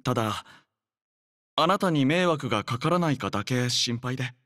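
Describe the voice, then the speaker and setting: A man voicing a courteous, earnest young android soldier in an anime game, speaking in a polite, formal, measured manner. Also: mid-range voice, lively intonation, fairly bright tone, no echo, clean studio sound, natural voice. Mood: gentle, reserved. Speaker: game character voice. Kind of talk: scripted anime game voice lines.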